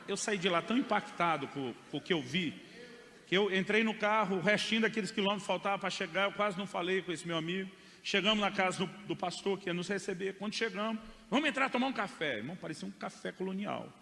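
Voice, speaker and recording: A Brazilian Portuguese-accented male pastor gives a chatty testimony, calling listeners brother as he goes. His voice is bright and cutting, pitched a bit high for a man. A long hall echo and faint background noise surround him. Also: vocal fry. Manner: conversational storytelling, addresses listeners as "irmão". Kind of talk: sermon testimony.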